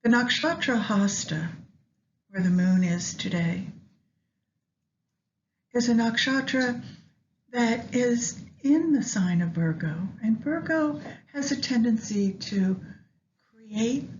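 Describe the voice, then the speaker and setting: A woman leading a guided meditation with astrology, speaking gently and in measured short phrases with long pauses. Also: a little high, lively intonation. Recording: dull lo-fi sound, faint background noise.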